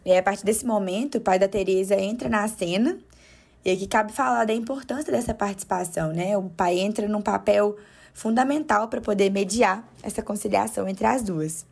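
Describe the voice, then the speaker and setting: A woman explains ideas in a measured, patient way. Her voice is husky and breathy at a middling pitch. She often checks in with small tag questions. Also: a little mellow. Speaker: podcast co-host. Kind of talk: explanatory commentary.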